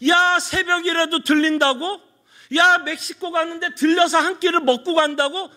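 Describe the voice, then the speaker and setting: A man's voice: very high-pitched, steady tone, moderate pace, sharp tone, voice pushed up, full character voice. A man voicing a doting mother. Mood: eager. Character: loving mother welcoming her son.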